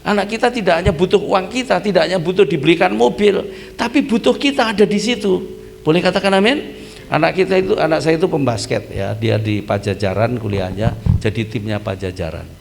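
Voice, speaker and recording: A man's voice: on the high side, fairly quick, vocal fry, slight background noise. A middle-aged man preaching at a family seminar, telling stories and acting out the dialogue. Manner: lively storytelling, acts out dialogue, asks congregation for amen. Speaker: pastor. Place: church hall. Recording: reverberant church hall with faint ambience.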